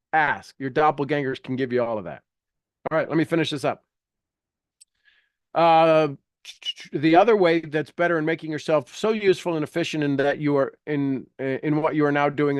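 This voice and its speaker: A man's voice: a little high, dry recording. Blunt, folksy man coaching, very dry sound. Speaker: coach leading a class. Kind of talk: informal coaching talk mixed with reading aloud from a book.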